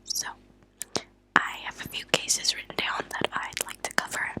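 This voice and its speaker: A woman hosting ASMR, speaking in a soft, breathy, unvoiced whisper with a hushed, deliberate delivery and pauses. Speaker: ASMR channel host. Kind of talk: whispered ASMR true-crime reading. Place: at a desk indoors.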